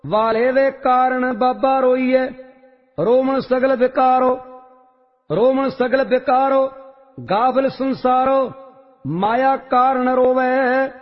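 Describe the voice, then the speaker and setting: A man reciting religious hymns in a measured, sing-song chant. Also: very high voice. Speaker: scripture reciter. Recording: long reverb, dull lo-fi sound, faint music.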